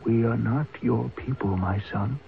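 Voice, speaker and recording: An actor playing a solemn, fatalistic old uncle, a tribal elder who speaks slowly and formally in a radio drama. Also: male voice, mid-range voice, creaky. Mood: grave welcome. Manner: slow, measured, formal speech. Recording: tinny, hissy old radio broadcast.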